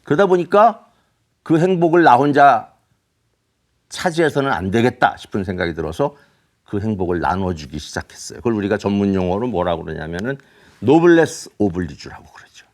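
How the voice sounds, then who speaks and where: A middle-aged man speaking as an author to young students, telling a story in an animated way and asking rhetorical questions. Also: fairly low pitch, fairly quick. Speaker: children's author giving a talk. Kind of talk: motivational lecture to students.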